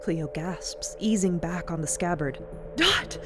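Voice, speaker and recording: A woman giving dramatic scripted narration in a deliberate, theatrical way. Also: medium pitch, animated, background noise. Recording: loud music bed. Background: loud cinematic music.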